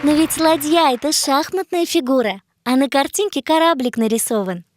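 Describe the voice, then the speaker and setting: A woman voices a young girl guide in a children's cartoon. She is high-pitched, curious and eager, a dreamer who loves fairy tales, with faint music behind her. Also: a little fast, close to an everyday voice. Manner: inquisitive, eager. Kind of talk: children's educational cartoon acting.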